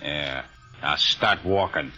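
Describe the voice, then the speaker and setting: Deep, hard, menacing gunman. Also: takes it slowly, sharp tone, faint music behind, heavily acted. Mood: threatening. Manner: barking, threatening. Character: menacing male gunman robber, hard and threatening. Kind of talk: old-time radio drama acting. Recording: muffled old radio recording.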